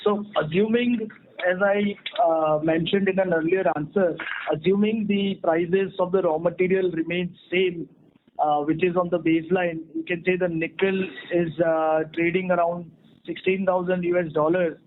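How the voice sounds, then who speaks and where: High-voiced Indian man on a phone line. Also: steady tone, normal speed, a little hiss or hum. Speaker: company executive answering analysts. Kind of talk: earnings call question and answer. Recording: tinny phone-line conference call.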